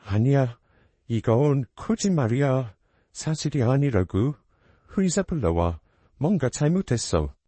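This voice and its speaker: A man's voice: medium pitch, animated, a little slow, warm tone, no room sound. A man voicing a middle-aged mother in shock, pleading in disbelief.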